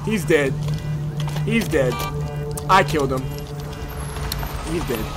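A young man streaming a shooter game on a headset, loud, excitable and profane in his commentary. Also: on the high side, slow, over music. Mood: excited. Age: young adult. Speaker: gaming streamer. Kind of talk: casual gameplay commentary.

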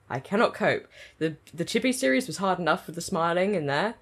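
A woman talks into her own microphone, reacting to a show. Her voice sits on the low side and is husky and breathy. It swings widely up and down as she gushes with excitable fangirl energy. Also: normal speed. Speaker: anime reaction channel host. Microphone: own desk microphone.

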